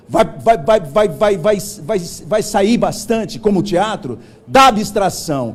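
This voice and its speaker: There is noticeable background noise behind this man. He talks at a moderate pace with a high pitch. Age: 60s. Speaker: theater artist. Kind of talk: public debate remarks. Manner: halting, many repetitions.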